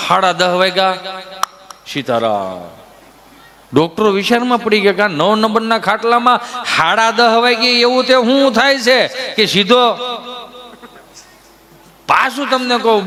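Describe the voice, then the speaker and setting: A high-pitched man with a bright, forceful voice. He tells folk comedy stories on stage and slips into the voices of the villagers in his jokes. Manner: acts out villagers in shifting voices, with laughs. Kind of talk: stand-up folk comedy storytelling.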